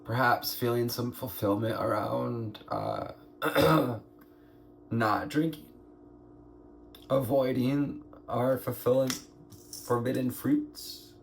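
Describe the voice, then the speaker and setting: An American man gives a slow spiritual tarot card reading in a mid-range voice that is hoarse, gravelly, and scratchy. He muses aloud unhurriedly, meandering with pauses and throat clearing, over faint underlying noise.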